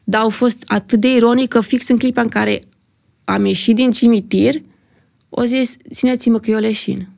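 A young woman with a slightly high, gravelly voice recounts a personal story as a podcast guest. She tells it vividly and with drama, slipping into the voices of the people involved, and the close, dry studio microphone picks up every rasp. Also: fairly even intonation, a little mellow, dry recording. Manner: vivid, dramatic retelling, acting out what others said. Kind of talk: emotional personal storytelling in conversation.

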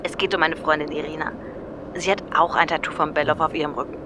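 Woman playing an earnest young woman, lowish voice, background noise. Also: level tone, fast talker, close to an everyday voice. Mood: earnest, concerned. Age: young adult. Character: young female model, earnest and concerned for a friend. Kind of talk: German audio drama acting.

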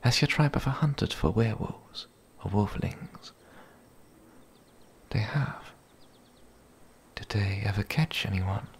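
A man playing a lonely, gentle, shy young werewolf in a whispered ASMR roleplay, speaking breathily, softly and haltingly. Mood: wary, questioning. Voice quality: breathy whisper, low and creaky. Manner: hesitant, halting, soft-spoken.

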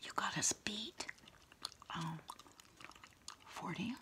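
Slow, whispering middle-aged woman. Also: mid-range voice. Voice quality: breathy, mostly unvoiced whisper. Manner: unhurried, murmuring, with pauses and soft hums. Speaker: ASMR host playing a therapist. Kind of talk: whispered ASMR roleplay. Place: small candlelit indoor room.

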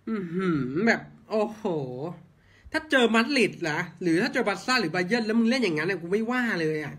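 A man's voice: high voice, sharp tone. A man ranting blunt football commentary, heated and swearing, firing off rhetorical questions. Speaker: football fan channel host.

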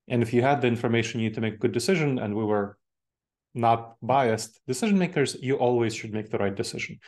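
Man, 40s, eastern european accent, online talk, chatty, middle pitch, video call from a home office. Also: a little mellow. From Moldova. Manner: chatty, engaged with a live chat, laughs easily. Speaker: speaker. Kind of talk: online presentation to professionals. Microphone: webcam video call with earbuds.

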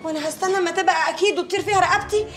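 A woman's voice: extremely high pitch, fairly bright tone, roomy sound, faint music behind. Frantic Egyptian woman informant. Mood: wailing. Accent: Egyptian Arabic. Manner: fast, pleading, wailing. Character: frightened young woman informant pleading with police. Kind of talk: TV drama acting.

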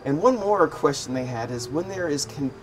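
A man chatting in a relaxed, wry and amused way as he tells everyday stories for his vlog. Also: on the high side, moderate pace, slight background noise. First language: English. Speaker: vlogger. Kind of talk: casual storytelling vlog. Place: living in Thailand.

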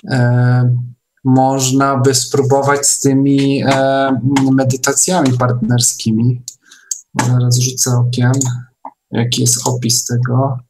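A man hosting an online meeting in casual chat, speaking in a hesitant, halting way. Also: medium pitch, completely flat delivery, background noise.

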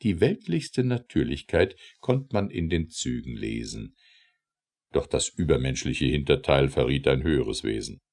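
A man narrating an audiobook of verse in an expressive, theatrical and declamatory reading style. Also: extremely low pitch, a little slow.

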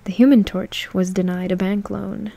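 Breathy, gravelly whispering woman, giggly. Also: mid-range voice, fairly even intonation, moderate pace, mellow, dry recording. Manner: giggly and playful, drifting into whispers. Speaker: ASMR channel host. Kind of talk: soft-spoken ASMR meme reading.

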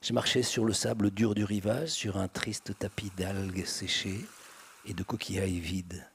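Man, husky low voice, slow deliberate reading aloud, occasional pauses. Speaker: reader.

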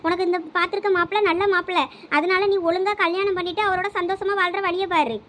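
A woman's voice: very high-pitched, fairly even intonation, fast, fairly bright tone. A woman playing a caring but bossy younger sister who scolds and coaxes, in a village drama skit. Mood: scolding. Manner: scolding, coaxing.

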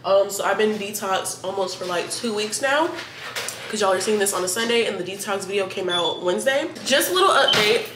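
In a casual day-in-the-life vlog, a young adult woman talks straight to her viewers in a blunt, profane, chatty way, her voice a bit stuffy in the nose. Her pitch is medium, her delivery animated and fairly quick. The room is echoey, with dishes clattering and other background noise.

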